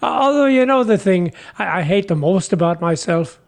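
An actor playing a humble, folksy fisherman apostle in a comic radio sketch, earnest and chatty, halting over his words. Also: high-pitched, animated, gravelly. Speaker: guest character.

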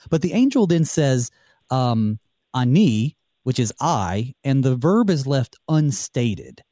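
Male Bible study host, calm and measured questioner, warm dark tone, dry studio. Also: mid-range voice, dry recording.

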